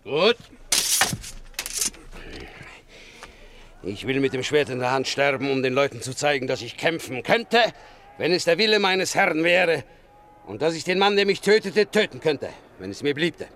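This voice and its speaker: Fervent, high-voiced Christian warrior. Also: male voice, expressive, moderate pace, fairly bright tone. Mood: defiant, resolute. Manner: fervent, declamatory, proud. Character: fiery, tormented Christian warrior struggling to stay meek. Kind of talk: German radio play acting.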